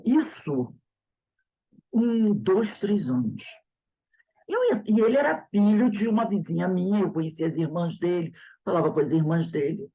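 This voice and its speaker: A Brazilian woman teaching a study group in a casual, storytelling way. Her voice is husky and mellow, and she acts out conversations with plenty of repetition. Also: lowish voice, moderate pace, low-quality recording. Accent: Brazilian Portuguese. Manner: animated, retells dialogues with repetition. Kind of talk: casual class talk with storytelling.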